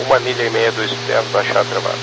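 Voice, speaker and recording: A man speaking as an airline pilot over the aviation radio, giving terse, flat readbacks in clipped radio phraseology. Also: lowish voice, fast, gravelly. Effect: pilot heard over the aviation radio. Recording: noisy distant radio transmission.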